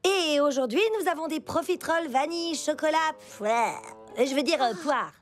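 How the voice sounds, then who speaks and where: A high, snippy young female cartoon cook, acted by a woman, proud of her own dishes and dismissive of anyone else's. She talks in an offhand, haughty way over faint music. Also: normal speed, close to an everyday voice. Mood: boastful. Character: snippy, boastful young female cook, competitive twin sister. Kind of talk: French cartoon dubbing.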